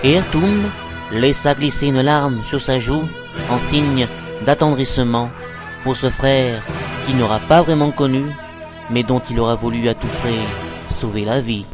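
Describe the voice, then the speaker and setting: A man's voice: mid-range voice, unhurried. A man narrating an anime parody as a theatrical, epic storyteller. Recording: amateur recording under loud music. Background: loud music.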